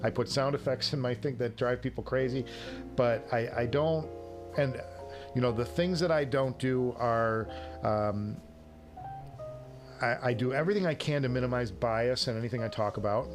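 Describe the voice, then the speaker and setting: A man hosts a casual live show with music clearly behind him. His voice sits at an ordinary middle pitch, and he talks off the cuff to his viewers in a joking, self-deprecating way. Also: normal speed. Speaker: livestream show host. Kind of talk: casual chat answering viewers' live comments.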